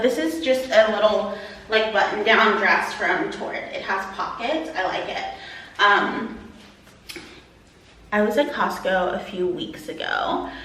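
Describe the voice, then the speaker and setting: Woman vlogger, bright tone, rambling chat, echoey room. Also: medium pitch. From Texas, USA. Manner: rambling, lots of "like" and "um". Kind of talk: casual chat to camera.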